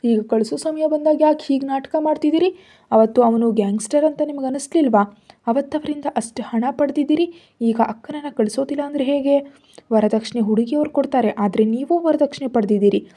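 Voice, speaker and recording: A woman's voice: sits high, fairly quick, warm tone, pitched above the performer's own voice, lightly acted. A woman voicing a defiant seventeen-year-old girl who talks back in a mocking, pert way.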